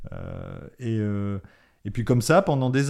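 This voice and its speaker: A man's fairly slow delivery shows ordinary pitch variation. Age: 50s. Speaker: documentary filmmaker. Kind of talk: interview. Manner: halting, many repetitions.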